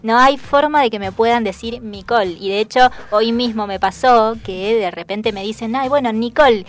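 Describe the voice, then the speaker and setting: A woman's voice: on the high side, normal speed, faint music behind. A woman, co-hosting a radio chat show in a chatty, playful way and laughing easily. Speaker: radio co-host.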